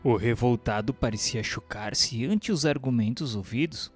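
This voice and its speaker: A man's voice: medium pitch, normal speed, slightly rough, close to an everyday voice. A man narrating a radio drama from a script in a formal, solemn, literary manner. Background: music.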